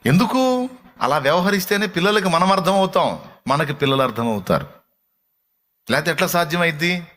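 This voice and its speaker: A pastor delivers a sermon in a fairly high male voice, chatting with his listeners through a stream of rhetorical questions. He drops to quiet, low asides and then lifts into raised, pleading cries. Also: big pitch swings, brisk. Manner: conversational, full of rhetorical questions; swings between soft, low asides and raised, pleading exclamations.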